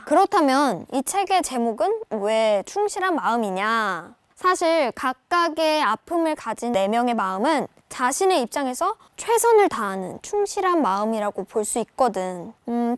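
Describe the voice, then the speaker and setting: A woman's voice: high voice, no echo. A young woman reviewing a novel for viewers in a playful, casual tone, talking to them like friends. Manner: playful, lively, speaks in casual banmal to viewers. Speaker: book reviewer and reading tutor.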